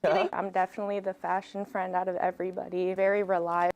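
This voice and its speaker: A woman's voice: fairly low pitch, little pitch movement, fast, darkish tone. A woman in her twenties from Pennsylvania, a dating show contestant introducing herself in a matter-of-fact, self-assured way. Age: 20s.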